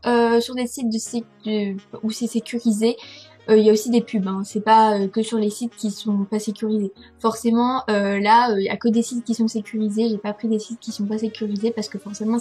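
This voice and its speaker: A young woman with a French accent, speaking through a headset, casually guides viewers through websites on her screen in a screen-recording tutorial, chatty and hesitant with many fillers and self-corrections, laughing at herself. Her voice is a little high, darkish and husky, a little fast with fairly even intonation. Faint music plays behind her.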